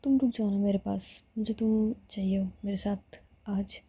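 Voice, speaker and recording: Woman voicing a playful young lover, soft, teasing, husky, mellow tone. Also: mid-range voice, steady tone, moderate pace.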